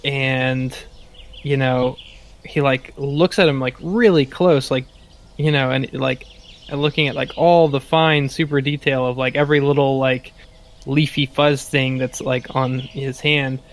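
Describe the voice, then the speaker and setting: A man playing a tabletop game, casually describing his character's actions in halting phrases peppered with "like". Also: medium pitch, fairly even intonation. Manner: halting, heavy use of like.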